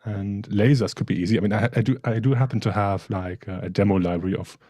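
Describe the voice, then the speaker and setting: A man co-hosts a live design stream, chatting casually and tossing out wry jokes. His voice sits low and mellow with a husky edge, recorded dry and close. He drifts off with fillers mid-thought. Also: quick pace, no echo. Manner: joking, wry, trails off with fillers. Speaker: livestream co-host. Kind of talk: casual live-stream chat while working.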